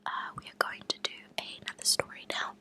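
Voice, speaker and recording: A woman whispering in a breathy, unvoiced voice, reading aloud slowly and softly in an ASMR style. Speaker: ASMR host reading true crime stories aloud. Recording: lo-fi close whispered ASMR recording.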